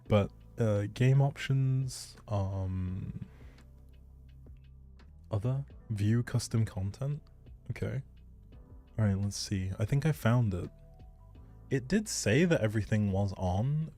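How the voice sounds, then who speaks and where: A man's voice: lowish voice, slow, long pauses, mellow, faint music behind. A man chatting casually and thinking aloud on a gaming livestream, easygoing and polite. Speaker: video game livestreamer.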